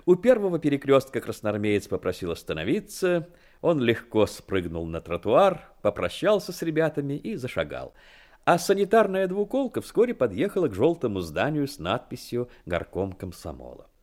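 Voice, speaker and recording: A man's voice: mid-range voice, wildly swooping pitch, moderate pace, darkish tone. A man reading scripted literary narration as the narrator of a radio play.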